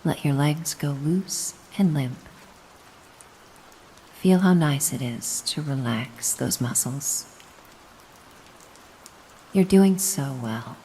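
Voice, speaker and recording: Woman acting a slow, low-voiced, soothing hypnotic caretaker. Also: slight background noise, poor audio. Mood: gentle, coaxing. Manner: gentle, coaxing, reassuring, unhurried. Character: mysterious soothing female caretaker, gentle, doting, hypnotic. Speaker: hypnosis audio performer.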